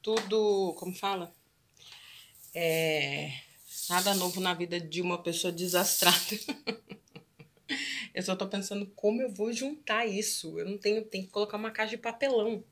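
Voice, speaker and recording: A woman's voice: medium pitch, moderate pace, long pauses, a bit bright, a little hiss or hum. A young woman with a Brazilian Portuguese accent chatting casually to her viewers in a home vlog, recorded on a handheld phone in her apartment. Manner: chatty, talks straight to viewers with many asides. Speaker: vlogger.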